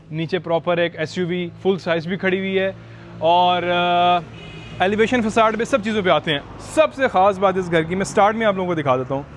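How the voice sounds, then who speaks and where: A man with a Pakistani Urdu accent leads a walking house tour outdoors and talks straight to the viewers. His voice sits a little high for a man. Faint outdoor noise and passing traffic can be heard behind him. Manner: chatty, code-switching into English, addresses viewers directly. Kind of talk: walkthrough house tour vlog.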